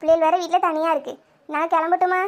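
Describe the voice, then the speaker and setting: A woman's voice: very high-pitched, flat delivery, fast. A woman playing a caring, motherly village neighbour who soothes and coaxes the others. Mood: soothing. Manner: soothing, motherly, calls others by pet names. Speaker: neighbour Gomathi. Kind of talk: village family drama acting.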